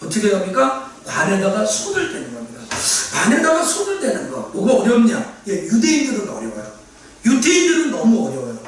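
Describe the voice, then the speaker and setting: A man preaches a sermon with a high, lively voice and presses his points by repeating key phrases and sometimes raising his voice to a shout. He is heard from a distance in a large, echoing church hall. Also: fairly quick. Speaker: pastor. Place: church sanctuary. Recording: echoey church hall from far off, faint ambience.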